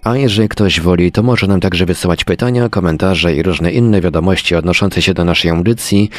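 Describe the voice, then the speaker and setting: Low-pitched man introducing a radio show. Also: brisk, no room sound. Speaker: radio host and technical producer.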